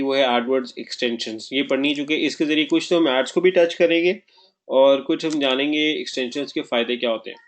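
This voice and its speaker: A man teaching a live online marketing webinar, often asking his class questions and mixing English terms into his explanations. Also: medium pitch.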